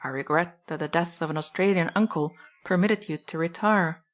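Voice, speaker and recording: A stately, smug older gentleman, read by a woman, speaks slowly and with measured condescension. The voice stays close to the reader's own, a little lower. The delivery is a plain audiobook reading. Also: lightly acted.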